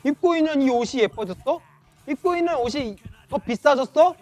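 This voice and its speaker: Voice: high voice, lively intonation, normal speed, darkish tone, faint music behind, voice pushed up. A teacher putting on a taunting devil tempter. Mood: mocking. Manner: mocking, needling questions.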